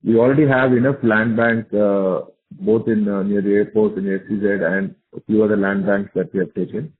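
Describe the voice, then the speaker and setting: A man's voice: fairly low pitch, steady tone, moderate pace. A man with an Indian accent answering investor questions as a company executive on a conference call, restating his points for emphasis, over a narrow phone line.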